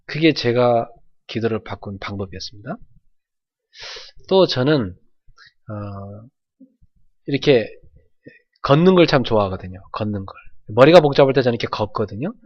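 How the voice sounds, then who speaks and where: A man's voice: mid-range voice, lo-fi sound. A man preaching a sermon as pastor, in an earnest, conversational way with emphatic swells.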